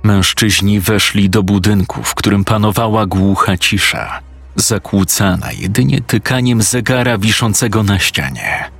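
Slow, husky male horror narrator. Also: fairly low pitch, a bit bright, soft background music. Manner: measured, suspenseful.

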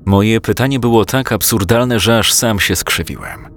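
Male narrator, low voice, measured first-person audiobook read over quiet music. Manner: calm, measured storytelling with quoted dialogue.

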